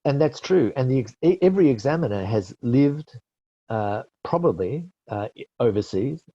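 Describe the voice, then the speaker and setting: A man's voice: mid-range voice, lively intonation, normal speed, warm tone, no room sound. A middle-aged Australian man giving IELTS tips in a webinar, explaining patiently and correcting himself with many fillers. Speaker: IELTS expert presenter. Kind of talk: webinar teaching with answers to questions. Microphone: webinar call mic. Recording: dull lo-fi webinar audio.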